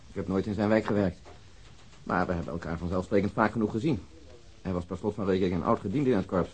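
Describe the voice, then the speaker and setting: Radio crime drama: actor as calm, considerate male detective, practical and factual, low voice, brisk delivery. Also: slight background noise, natural voice.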